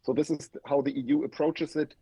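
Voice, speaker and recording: A man from Germany with a German accent, a native German speaker, explaining as an expert guest in a measured, hesitant way. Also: a little high, steady tone, warm tone, breathy edge, no room sound. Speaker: guest academic expert, professor. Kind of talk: explanatory interview talk. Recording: dull, lo-fi remote connection.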